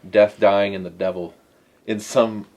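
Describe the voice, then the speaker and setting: A man with a fairly low voice co-hosts a laid-back music review podcast. He talks in a relaxed, chatty way and tosses in quick jokey asides. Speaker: podcast co-host. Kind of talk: casual chat.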